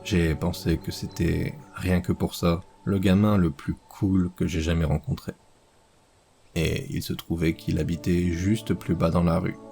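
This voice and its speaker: A man reading a horror story aloud as scripted narration, slow and measured. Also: low voice, flat delivery, creaky, warm tone, soft background music.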